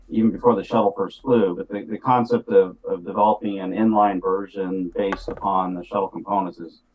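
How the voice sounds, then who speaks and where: An older man, a veteran mechanical engineer, explaining his background in a plain, matter-of-fact, somewhat halting way. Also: lowish voice, darkish tone, slightly rough, poor audio. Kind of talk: casual technical talk.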